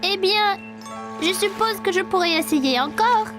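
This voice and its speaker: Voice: extremely high pitch, music in the background. A performer playing a curious, polite and slightly timid four-year-old boy in a French children's cartoon. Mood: timid, earnest. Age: child character. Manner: simple, eager, slow-paced childlike speech.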